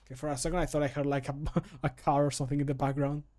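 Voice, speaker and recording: A man's voice: fairly high pitch, level tone, very fast, darkish tone. A man in his thirties chatting casually as a streamer while he works. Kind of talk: casual chat while recording voice lines. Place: small home room.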